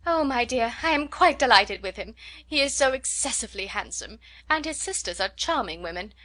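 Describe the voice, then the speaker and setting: A woman reading aloud and voicing an excitable middle-aged mother who gossips breathlessly and gushes about a ball. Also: fairly high pitch, moderate pace. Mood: indignant.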